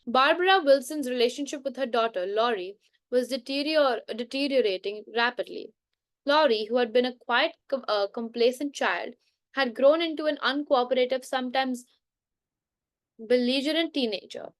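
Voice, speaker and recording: A fairly high-pitched woman reads a book aloud in a relaxed bedtime session. She stumbles and restarts words now and then and coughs occasionally. The sound is dry and close, with little room echo. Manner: halting reading with frequent restarts and self-corrections. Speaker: book reader. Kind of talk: unscripted bedtime book reading.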